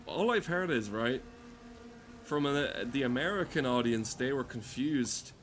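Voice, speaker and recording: A man's voice: medium pitch, animated, unhurried, a little hiss or hum. A man streaming a game with casual, rambling commentary, sardonic and given to swearing.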